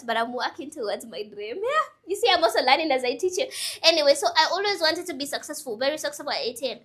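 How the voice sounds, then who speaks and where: A motivational vlogger in her 20s talks casually to camera, giving earnest, chatty advice, restating her points and dropping in asides. Her voice is high, bright and forceful.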